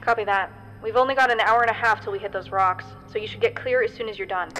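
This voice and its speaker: Steady, caring woman leading a space rescue crew, acted, mid-pitched, audio drama, clear music underneath. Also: fast, in a large hall, close to an everyday voice, rough recording. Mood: businesslike.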